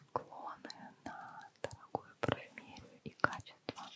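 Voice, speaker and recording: A woman whispers, soft-spoken and gentle in tone. She goes at a very slow pace. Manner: close, gentle ASMR whisper.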